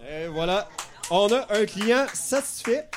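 A man's voice: high voice, animated, a little slow, a little hiss or hum. A man with a Quebec French accent running a joking live auction, chanting bids and laughing at his own jokes. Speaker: auctioneer and event host.

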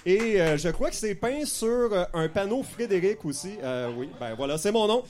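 A man's voice: high voice, expressive, normal speed. A man with a Quebec French accent running a joking live auction, chanting bids and laughing at his own jokes. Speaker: auctioneer and event host.

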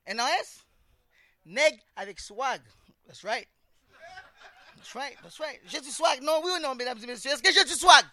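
On a stage before a live audience, a man with a Québécois French accent performs stand-up, using street slang, tossing "man" into every line and quizzing the crowd. His voice is very high, expressive and bright, with a forceful tone, delivered at normal speed with no echo.

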